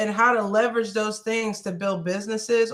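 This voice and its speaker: This woman's voice sits at a fairly high pitch and sounds animated. She talks at a moderate pace. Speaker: mortgage educator. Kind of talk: sales pitch.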